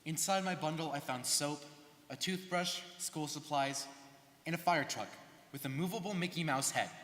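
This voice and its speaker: A man's voice: a little high, normal speed, fairly bright tone, close to an everyday voice. A young man, a student performer, giving an earnest, rehearsed stage narration of life stories. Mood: earnest recollection. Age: young adult. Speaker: student performer in a dramatic reading. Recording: echoey hall, live stage reading.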